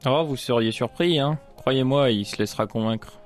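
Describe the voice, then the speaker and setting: A man's voice: mid-range voice, moderate pace. A man with a mid-range voice plays his part in a role-playing game. He is colloquial, deferential and insinuating, over background music. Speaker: player. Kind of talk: in-character role-play dialogue.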